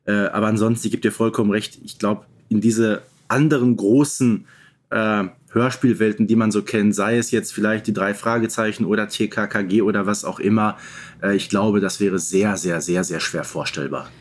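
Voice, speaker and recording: A man's voice: fairly low pitch, fairly even intonation, moderate pace. A man co-hosting a podcast in a casual, conversational style. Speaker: podcast co-host.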